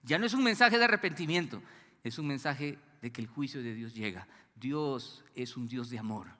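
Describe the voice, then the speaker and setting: A man's voice: medium pitch, lively intonation, moderate pace, bright, forceful tone, in a large hall. A man preaching a sermon as pastor, asking the congregation to call out the missing words. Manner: asks the congregation to fill in words. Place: church hall.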